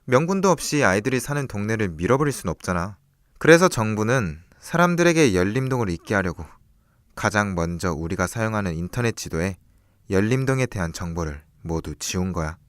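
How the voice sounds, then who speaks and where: A man playing a brooding, secretive young student in a radio drama, measured and introspective as he talks and narrates over music. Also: on the low side, sing-song, no room sound, studio quality. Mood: calm, explaining. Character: brooding, secretive young male student, an observant older classmate. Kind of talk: Korean radio drama dialogue and first-person narration.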